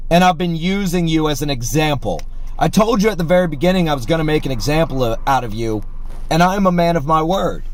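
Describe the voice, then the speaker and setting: A man berates the people he is confronting, swearing and stressing each word. His voice sits a little above the usual pitch for a man. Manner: profane, berating, slow and emphatic. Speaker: host. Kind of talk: heated confrontation on a call.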